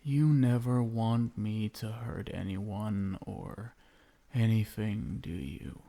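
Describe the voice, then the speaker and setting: A man playing a possessive, lovestruck vampire husband in an intimate ASMR roleplay, crooning softly with tender pet names and a gravelly edge. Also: lowish voice, slow, full character voice. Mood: fond, amused. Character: possessive, lovestruck yandere vampire husband, menacing yet doting.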